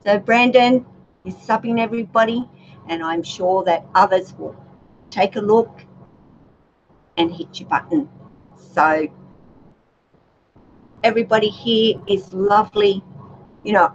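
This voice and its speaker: Woman, soothing voice, mid pitch, livestream host, dull lo-fi sound. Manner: gentle, chatty, many fillers and restarts. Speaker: YouTube channel host. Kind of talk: casual livestream chat with viewers. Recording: dull lo-fi livestream audio with faint noise.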